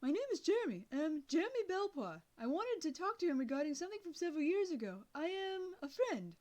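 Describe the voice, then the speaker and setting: An eager teenage whiz kid talks high and pushes hard, often raising his voice, as a woman reader voices him. His pitch leaps about. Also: big pitch swings, brisk. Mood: shouting. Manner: loud, high and insistent. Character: teenage boy genius, eager, earnest.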